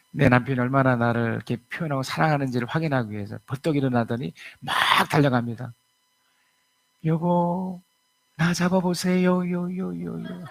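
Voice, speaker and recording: A middle-aged male pastor giving a Sunday sermon at a church service. He tells stories lively and acts out the voices of the people in his jokes. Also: medium pitch, rough recording.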